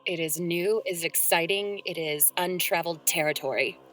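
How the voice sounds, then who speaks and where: Enthusiastic lower-voiced woman. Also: moderate pace, fairly bright tone, faint music behind. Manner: gushing, emphatic enthusiasm. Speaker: voice actress, podcast cast member. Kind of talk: casual group interview chat.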